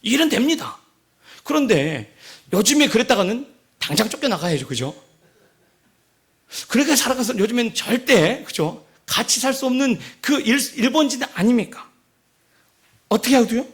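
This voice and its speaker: A man preaches in a church, keeping it conversational and checking in with his listeners with questions. His voice sits high and carries a gravelly roughness. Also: sing-song, moderate pace, fairly bright tone. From Jeolla province, Korea. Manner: conversational preaching, asks the congregation questions often. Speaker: pastor. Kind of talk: sermon. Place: church sanctuary.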